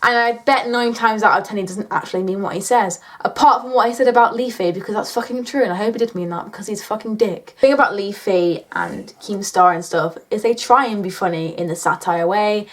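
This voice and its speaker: A woman's voice: medium pitch, fairly quick. A British woman in her late teens chatting casually in a question-and-answer vlog, with a blunt, sweary, joking manner. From United Kingdom. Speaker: YouTuber answering viewer questions.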